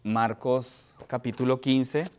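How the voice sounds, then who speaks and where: A man preaching in a church, reading a scripture passage aloud and then explaining it with frequent pauses and restarts. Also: mid-range voice, flat delivery, a little mellow, a little hiss or hum. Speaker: pastor.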